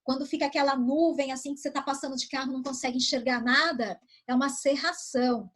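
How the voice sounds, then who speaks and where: Patient, high-voiced woman teacher. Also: fairly even intonation, fairly bright tone. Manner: patient, explains slowly and asks pupils questions. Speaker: primary school teacher. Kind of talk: online class review with pupils.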